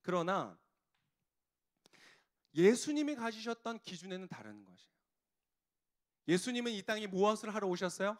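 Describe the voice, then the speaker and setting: A male pastor delivers a sermon in a fairly high voice. He keeps turning to the congregation with questions and then answers them himself. His tone is direct and conversational. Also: a bit bright.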